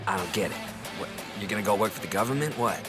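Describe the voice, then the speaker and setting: An actor playing the hustling, excitable boss of an illegal racing racket in an audio drama. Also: male voice, lowish voice, fast talker, close to an everyday voice. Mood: confused, alarmed. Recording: music behind the voice.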